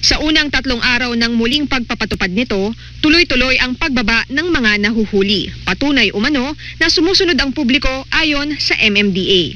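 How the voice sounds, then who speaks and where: A woman field reporter reading a scripted news report in a measured, formal delivery. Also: high voice, expressive. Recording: loud hiss on radio broadcast.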